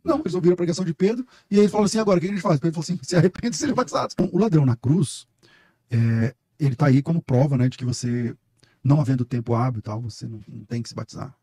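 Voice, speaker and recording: Middle-aged Brazilian pastor as guest, quick and emphatic, warm husky tone. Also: male voice, medium pitch, animated, no room sound, studio quality. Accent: Brazilian Portuguese. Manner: emphatic, storytelling, preacher-like. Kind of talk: casual podcast conversation.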